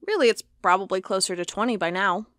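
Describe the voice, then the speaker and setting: In studio-quality audio with no echo, a woman speaks fast in a medium-pitched, fairly bright voice, lightly acting. She portrays a wry, defiant investigator of cold cases, stubborn and sarcastic, who hunts monsters in an audio drama.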